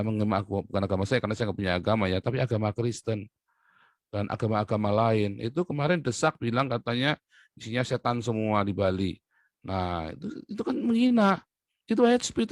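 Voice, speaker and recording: A man speaks in a heated solo monologue, his mid-range voice jumping high and loud when he hammers a point. Between outbursts he sinks to low, muttered asides. The sound is dry and close, with no room around it. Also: no room sound. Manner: emphatic, voice leaps up sharply on stressed points. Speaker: online commentator.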